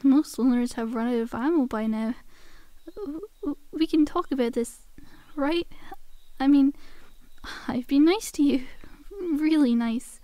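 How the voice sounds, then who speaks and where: A woman's voice: high voice, a little slow, pauses often, dark tone, dry recording. A woman playing a cheeky, cajoling undead zombie girl in an ASMR roleplay, with a casual, teasing, conversational delivery. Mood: nervous, backpedaling.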